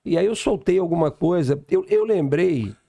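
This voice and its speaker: A man's voice: on the high side, animated, normal speed, gravelly, dark tone, no room sound, studio quality. A man, a samba songwriter chatting and telling stories on a podcast. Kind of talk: casual podcast chat.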